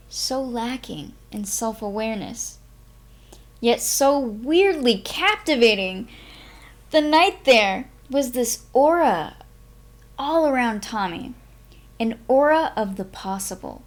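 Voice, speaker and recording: Slow-paced woman, expressive live-stream host. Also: on the high side. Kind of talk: expressive audiobook-style reading and casual stream chat.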